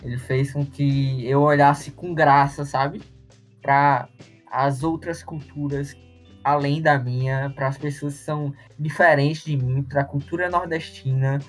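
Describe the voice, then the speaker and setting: A man co-hosting a podcast, speaking in a reflective, halting way. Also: mid-range voice, fairly even intonation, soft background music. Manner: reflective, halting, tags with sabe. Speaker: podcast co-host. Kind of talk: casual chat.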